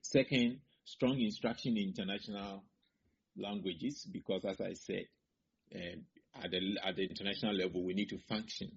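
A husky, breathy-edged man speaks as a professor in an interview. His voice sits a little low, and he talks in a measured way, setting out points in order before ending firmly. The sound is slightly muffled. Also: fairly even intonation. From Ghana. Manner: measured, lists points in order, firm conclusions. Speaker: associate professor of linguistics, interview guest. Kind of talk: explanatory interview answers. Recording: slightly muffled broadcast audio.

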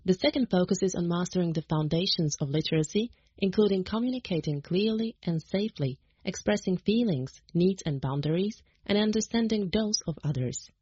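A woman reading a translated voice-over in an even, formal scripted narration. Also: fairly low pitch, moderate pace, slightly rough, no room sound. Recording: dry, dull lo-fi radio sound.

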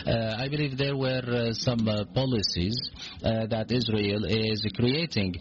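A man giving a live interpretation of a speech, halting, with many filler sounds between phrases, heard through a broadcast feed. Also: on the low side. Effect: live interpreter voice relayed in a broadcast. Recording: muffled lo-fi broadcast feed with steady noise.

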